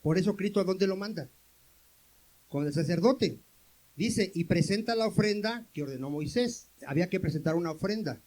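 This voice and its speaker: A man's voice: high voice, animated, normal speed, a little mellow, low-quality recording. A man preaching a sermon as pastor, firing questions at the congregation, answering them himself and calling for amens.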